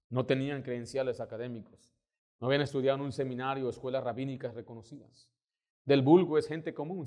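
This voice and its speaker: A male pastor, preaching a sermon and telling stories with emphatic, lively delivery. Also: medium pitch. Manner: storytelling, acting out quoted voices, emphatic.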